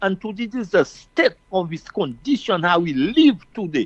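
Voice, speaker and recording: A man with a high voice talks at a moderate pace, his pitch swinging very widely. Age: 70s. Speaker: caller. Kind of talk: call-in radio comment.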